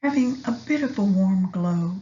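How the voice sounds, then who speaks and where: A woman leading a guided meditation in a soft, soothing manner with long pauses between phrases. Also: medium pitch, lively intonation. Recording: slightly dull lo-fi recording.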